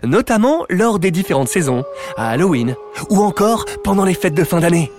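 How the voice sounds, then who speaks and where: A man's voice: sits high, very animated, normal speed, a little mellow. A man hosting an audio tour podcast, talking playfully with jokey asides to his listeners. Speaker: podcast host and park guide. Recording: music bed behind voice.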